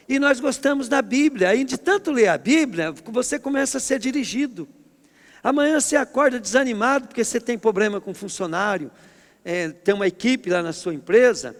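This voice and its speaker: A middle-aged man from Brazil preaching a sermon as pastor, with an emphatic, forceful way of speaking. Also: high voice. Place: church hall. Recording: long hall reverb.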